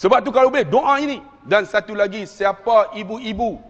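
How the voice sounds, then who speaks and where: A man, preaching a sermon as a dramatic storyteller who swings between loud outbursts and hushed narration. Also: high voice, normal speed. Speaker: religious preacher. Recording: dull, reverberant hall recording.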